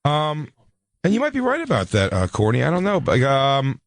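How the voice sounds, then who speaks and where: Man, radio co-host, blunt, rambling, lively pitch, dry close mic. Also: normal speed, no echo. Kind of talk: casual comedic chat. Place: radio studio.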